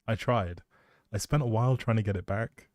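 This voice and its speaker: A man's voice: lowish voice, normal speed, a little mellow, dry recording. A man hosting a livestream, rambling casually and chattily, often breaking off mid-thought, speaking close to the mic. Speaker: live streamer, host.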